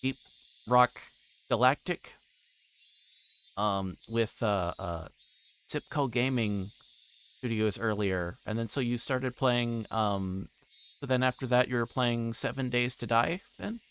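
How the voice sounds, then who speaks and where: A man hosting a livestream, chatting casually in a halting, rambling way and often repeating words as he plays a game. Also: medium pitch, fairly bright tone, a little hiss or hum. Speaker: livestream host. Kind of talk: casual livestream chat while playing a visual novel.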